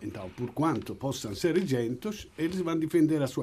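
The recording is very clean, with a silent background. A man speaks at a fairly high pitch and a fairly slow pace. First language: Italian (speaking Portuguese). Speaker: radio panelist. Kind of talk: radio panel discussion. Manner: halting.

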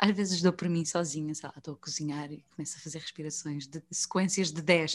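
Fairly even intonation carries the speech along at a fairly quick pace. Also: woman. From central Portugal (Coimbra, Viseu). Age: 20s. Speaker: actress. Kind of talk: interview conversation. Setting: video call.

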